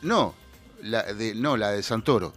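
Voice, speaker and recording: A man from Buenos Aires province with a Rioplatense accent, co-hosting a casual talk radio chat and giving blunt, slangy opinions with quick retorts. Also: on the low side, animated, fairly bright tone, faint music behind. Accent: Rioplatense Spanish. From Buenos Aires province, Argentina. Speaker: radio co-host.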